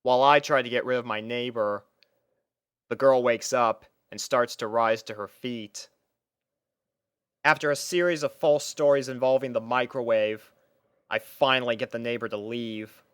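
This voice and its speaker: A young man narrates a first-person story from a script. His voice is smooth and clean, with a medium pitch, recorded close and dry. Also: steady tone, normal speed, fairly bright tone, dry recording.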